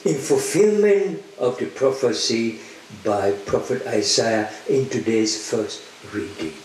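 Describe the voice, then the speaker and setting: Older priest preaching slowly in English. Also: male voice, medium pitch, lively intonation, darkish tone, a little hiss or hum. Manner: slow, emphatic preaching, pausing for the interpreter. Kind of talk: homily with interpretation. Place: large church, at a lectern. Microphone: lectern microphone. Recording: very echoey church hall.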